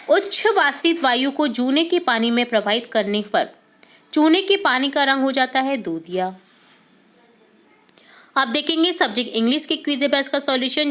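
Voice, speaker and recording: A woman's voice: fairly high pitch, fairly bright tone. Woman teacher explaining quiz answers. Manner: explains step by step, asks questions then answers them; reads English questions slowly and deliberately. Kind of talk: quiz answer walkthrough lesson.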